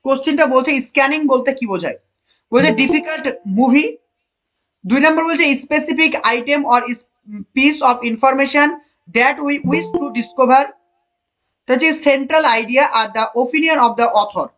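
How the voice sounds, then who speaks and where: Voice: high-pitched, a bit bright. A teacher running an online exam-prep lesson, asking the class questions, repeating key answers and praising students by name. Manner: reads English options slowly.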